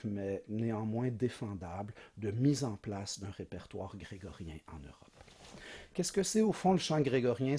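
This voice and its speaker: A man's voice: lowish voice, a little mellow, slightly rough. A man giving a recorded music history lecture, explaining patiently, asking rhetorical questions and singing short examples.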